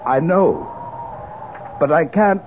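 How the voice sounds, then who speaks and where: A man's voice: a little high, animated. Flustered man, swooping intonation. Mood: anxious, evasive. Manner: flustered, halting. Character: anxious, evasive male cult follower under pressure. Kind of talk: 1970s radio drama acting. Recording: tinny, noisy 1970s radio recording.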